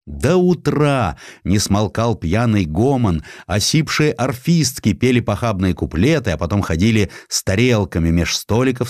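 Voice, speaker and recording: Male narrator, lowish pitch, animated intonation, theatrical irony, scripted historical storytelling, dry studio sound. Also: no room sound. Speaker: audiobook narrator. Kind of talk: expressive scripted narration of a satirical historical sketch.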